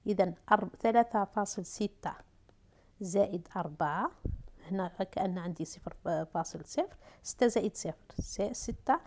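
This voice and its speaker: A woman's voice: mid-range voice, animated, darkish tone. A woman teacher with an Algerian Arabic accent, explaining unit conversions step by step and answering her own questions. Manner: talks through steps slowly, asks and answers herself. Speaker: math and physics teacher. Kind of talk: whiteboard lesson for middle school.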